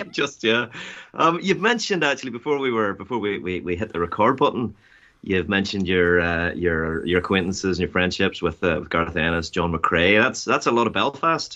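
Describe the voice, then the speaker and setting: Against a quiet background, a man with a Northern Irish accent talks fairly quickly in a fairly low voice with a bright, sharp tone and very wide pitch swings. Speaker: podcast co-host. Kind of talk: casual interview.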